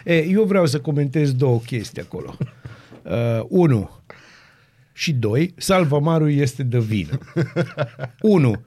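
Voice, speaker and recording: A man co-hosts a morning radio show and makes sardonic asides. His voice is mellow and slightly husky, and he sits on a studio mic. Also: medium pitch, expressive, long pauses. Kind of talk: casual radio banter. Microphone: studio microphone.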